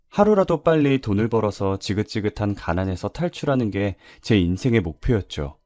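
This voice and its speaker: 억양이 풍부한 남성 사연 낭독자. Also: male voice, fairly low pitch, mellow, no room sound, studio quality. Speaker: story narrator. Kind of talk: scripted narration of a viewer's story.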